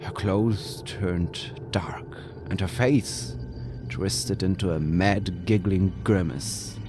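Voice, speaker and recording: A man narrating a scripted horror story in a slow, brooding way, sometimes dropping to a whisper. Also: low voice, background noise.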